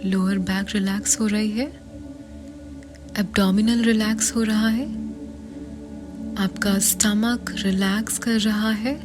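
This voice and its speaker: An Indian woman leads a guided meditation at a very slow pace. Her delivery is soft and partly whispered, with long pauses between short, measured phrases. Music plays clearly behind her voice. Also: medium pitch.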